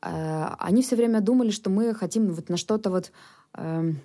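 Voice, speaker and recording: A woman's voice: medium pitch, normal speed, dark tone. A woman whose first language is Ukrainian, answering interview questions in an earnest, explanatory way. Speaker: government official, guest.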